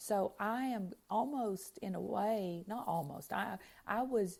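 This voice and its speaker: A woman talks at a medium pitch with lively intonation. Her tone is dark and mellow. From Appalachia, East Tennessee. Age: 30s. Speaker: comedian. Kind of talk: casual chat. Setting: podcast interview.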